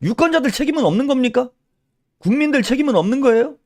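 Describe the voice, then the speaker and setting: A man's voice: very high-pitched, expressive, fast talker, dry recording, clean studio sound. A man doing solo political commentary in a scolding tone, firing rhetorical questions and tagging them with a pushy "eh?".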